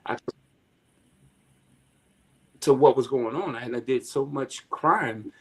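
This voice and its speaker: Male guest, husky voice, vivid storyteller who acts out the quotes. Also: mid-range voice, takes it slowly. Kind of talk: personal testimony.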